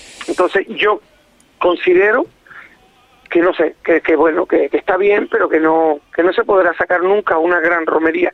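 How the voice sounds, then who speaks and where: A man with a Canarian accent, high-pitched and very even in loudness, over noticeable background noise. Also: fairly even intonation, moderate pace. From Canary Islands, Fuerteventura. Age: 40s. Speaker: opera tenor. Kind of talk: radio interview. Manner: halting, many repetitions.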